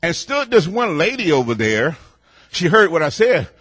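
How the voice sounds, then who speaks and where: A man preaching a sermon in a loud, boisterous way, building up to near shouting and easing back into storytelling. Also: fairly high pitch, very animated, normal speed, slightly rough, no room sound.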